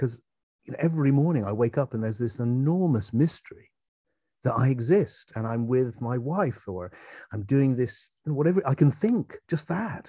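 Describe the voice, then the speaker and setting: A man's medium-pitched, dark, mellow, somewhat breathy voice at a moderate pace, with lively intonation and a quiet background. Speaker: author and philosopher. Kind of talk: interview. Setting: video call.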